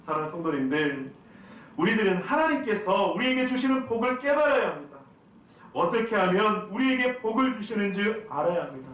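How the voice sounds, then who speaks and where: A man's voice: high voice, sing-song, fairly quick, a bit bright. A man preaching a sermon as pastor, putting questions to the congregation and answering them. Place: church sanctuary. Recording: very echoey hall, from a distance.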